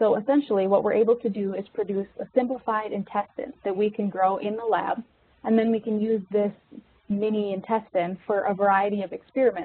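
This woman has an unremarkable speaking voice with an American accent and a medium pitch. She talks at a fairly quick pace with fairly even intonation. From Minnesota, near Minneapolis. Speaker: PhD student in animal nutrition. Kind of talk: research interview.

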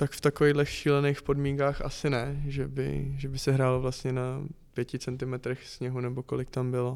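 A man at a moderate pace, medium pitch, with monotone, flat intonation. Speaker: professional footballer. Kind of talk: interview. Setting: stadium.

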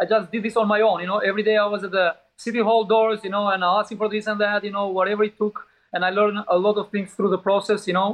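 A man speaks very fast in a high, flat monotone. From Albania, raised in Italy (Bari area). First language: Albanian. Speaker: pizzeria owner. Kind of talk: interview. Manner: frequent 'you know' filler.

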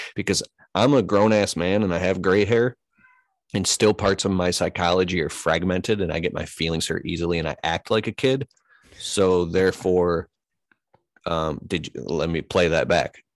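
A man talks at a moderate pace with a very deep, low pitch and ordinary pitch variation. The sound is dry and close, with no echo. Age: 30s. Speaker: landscaper and marketing business owner. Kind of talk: interview conversation. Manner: animated.

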